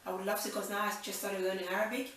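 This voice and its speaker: A woman's voice: mid-range voice, level tone, racing, fairly bright tone, heavy reverb, recorded from a distance, a little hiss or hum. A woman in her twenties from Nigeria hosting a casual Q&A vlog, chatty and upbeat, thinking aloud with fillers. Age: 20s. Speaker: channel host.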